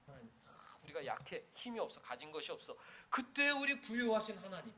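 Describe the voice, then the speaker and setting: A man's voice: high-pitched, very animated, fairly quick, pushed and bright. A man preaching a sermon as pastor. He speaks with emphasis, repeats key phrases and acts out short prayers and dialogues.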